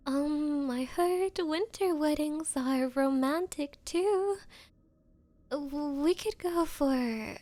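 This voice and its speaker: A woman playing a nervous, obsessive young woman on a date in an anime-style ASMR roleplay, speaking haltingly and flustered. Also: sits high, darkish tone, no room sound. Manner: halting, flustered, breathy hesitations. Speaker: roleplay voice performer.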